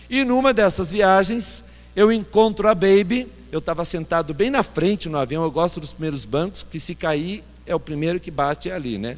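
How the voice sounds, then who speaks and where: A male pastor preaching a sermon and telling self-mocking stories, recorded in a church hall with long reverb. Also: a little high. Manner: animated storyteller, self-mocking. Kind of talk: sermon with anecdotes.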